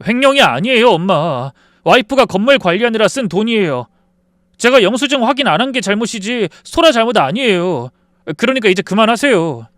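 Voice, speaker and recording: A man's voice: high-pitched, very animated, fairly quick, fairly bright tone, no echo, studio quality, voice pushed up. A man voicing a defensive adult son who pleads with his mother and protests in whiny tones, in a dramatized story reading. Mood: pleading.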